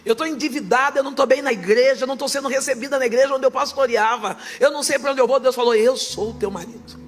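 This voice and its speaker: A woman pastor giving her testimony in church, her fervent preaching swelling into loud proclaiming. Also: high-pitched, fairly even intonation, racing.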